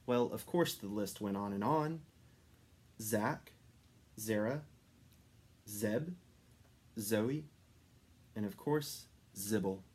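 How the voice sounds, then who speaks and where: A man reading a children's story aloud expressively, with dramatic pauses and stressed descriptive words. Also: fairly low pitch, darkish tone, husky. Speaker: story reader.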